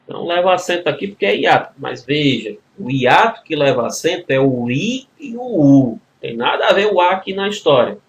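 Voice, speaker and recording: Brazilian man teaching grammar, slightly high voice. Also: big pitch swings, a little fast, hardly any pauses, dull audio, a little hiss or hum. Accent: Brazilian Portuguese. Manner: explains step by step, with constant tag questions; addresses students as a group. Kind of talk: recorded exam-prep video lesson.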